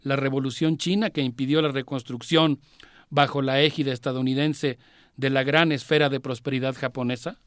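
A man co-hosting a radio program, explaining world affairs in a measured way with frequent filler sounds. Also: medium pitch, fairly even intonation, clear, resonant tone, no room sound, studio quality. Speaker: radio co-host and commentator.

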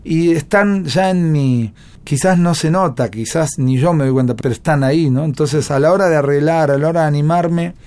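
A man's voice: a little high, normal speed, a little mellow. A man with an Argentine accent, a musician guest telling stories in a chatty, reflective way. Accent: Argentine Spanish. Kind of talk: casual interview talk.

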